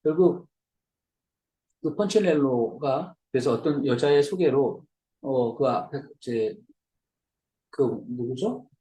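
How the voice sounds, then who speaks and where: A man's voice: medium pitch, animated, slow, long pauses, warm tone, echoey room. A man preaching a sermon as a missionary, in a conversational way that keeps checking in with his listeners. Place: church hall.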